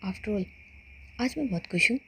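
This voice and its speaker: A woman doing teasing lover Seema, soft and husky. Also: mid-range voice, animated, normal speed, exaggerated voice.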